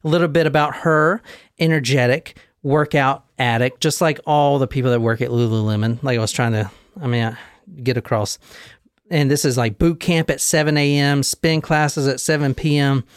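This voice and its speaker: Smooth-voiced man telling a crime story. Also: medium pitch, steady tone, moderate pace, dry recording, clean studio sound. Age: 30s. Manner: jokey, rambling storyteller with self-deprecating asides. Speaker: podcast host telling a true crime case. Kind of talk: casual chat.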